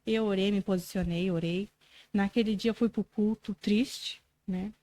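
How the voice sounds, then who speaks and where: A woman's voice: mid-range voice, steady tone, normal speed, warm tone, poor audio. A woman with a Brazilian accent, a podcast guest telling a religious testimony in an earnest, conversational way, often ending phrases with a questioning tag and acting out quoted dialogue. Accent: Brazilian Portuguese. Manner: earnest storytelling, frequent "né" tags, acts out quoted dialogue.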